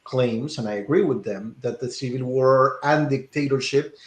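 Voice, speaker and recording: A man's voice: mid-range voice, normal speed. Wry man in an echoey room. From Peru. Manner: reflective, self-correcting, wry asides. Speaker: guest theater artist. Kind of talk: conversational interview answer.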